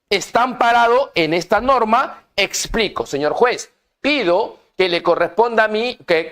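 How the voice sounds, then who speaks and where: A man teaching a law workshop, speaking deliberately, stressing key words and putting questions to his students. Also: high-pitched, a bit bright. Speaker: law instructor. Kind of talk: lecture to students.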